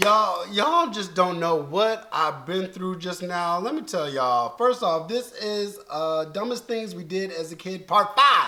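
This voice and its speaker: A raised, projected voice with an animated tone and lively intonation, fairly slow pace and hardly any pauses, over noticeable background noise. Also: man, high pitch for a man. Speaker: YouTuber reading viewer comments. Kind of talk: comedic comment reading.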